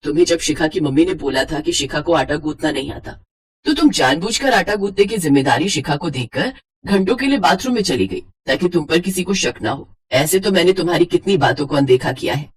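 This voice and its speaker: A woman voicing a stern but caring middle-aged mother-in-law, speaking lower and firmly in an animated storybook. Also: fairly quick, husky. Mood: scolding. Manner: lower, firm, instructive.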